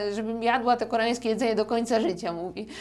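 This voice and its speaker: A woman speaks with an unremarkable speaking voice at a fairly high pitch. Her intonation stays fairly even. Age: 20s. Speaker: podcast host, Polish teacher. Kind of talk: casual chat.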